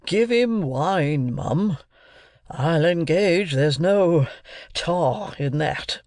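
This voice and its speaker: A man putting on a pompous, drawling old gentleman. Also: on the high side, animated, no room sound, pitched above the performer's own voice, full character voice. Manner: slow, drawling, self-satisfied. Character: pompous, fat, jovial older man.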